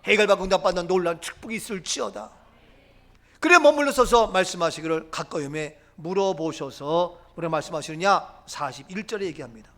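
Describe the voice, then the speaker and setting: Middle-aged male pastor, high pitch, emphatic sermon delivery with acted-out quotes. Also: lively intonation, fairly quick. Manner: emphatic preaching, swinging from loud declarations to low murmurs; acts out quoted lines of Jesus and the crowd.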